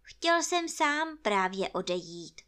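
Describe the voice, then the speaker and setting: Woman voicing a prim little rabbit, fussy, polite, bright, lively. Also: medium pitch, clean tone. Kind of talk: storybook reading.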